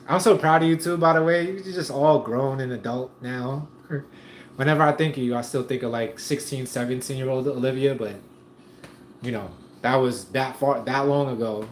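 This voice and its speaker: A man's voice: medium pitch, moderate pace. Laid-back slangy man, echoey room. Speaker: livestream host reading viewer comments. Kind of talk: casual live chat. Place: room at home. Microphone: streaming setup. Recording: echoey room, faint noise.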